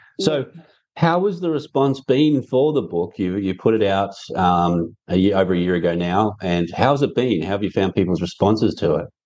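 A fairly low-pitched man with an Australian accent, lively intonation and a moderate pace. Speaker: podcast host. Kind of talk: interview.

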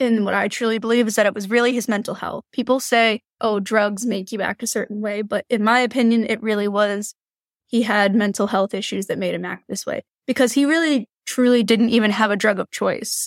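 With an American accent, this woman has an unremarkable speaking voice, fairly high in pitch with fairly even intonation, talking at a fairly quick pace in a dry, close sound with no echo on a very clean recording with a silent background. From Eastern Massachusetts. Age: 30s. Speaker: bereaved sibling. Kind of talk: personal testimony interview.

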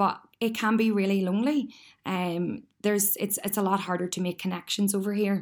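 In a very clean recording with a silent background, a woman speaks with a Northern Irish accent. Her medium pitch, fairly even intonation and moderate pace hold throughout. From Northern Ireland. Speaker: podcaster and expat teacher. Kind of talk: casual storytelling monologue. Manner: nervous, chatty.

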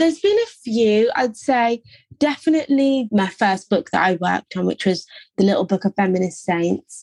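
Somewhat breathy, a woman with a fairly high voice talks at a moderate pace with lively intonation. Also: very even loudness. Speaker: artist and illustrator. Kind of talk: interview.

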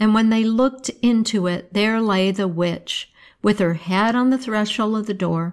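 This is a natural reading voice. That is all it offers.

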